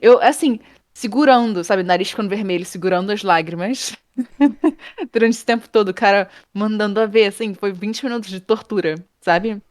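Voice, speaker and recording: A woman, a guest in an interview, telling a story in a casual, animated way and acting out the people in it. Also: mid-range voice, normal speed, dry recording, clean studio sound. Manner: animated, acts out quoted people, laughs often. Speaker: interview guest, game art professor.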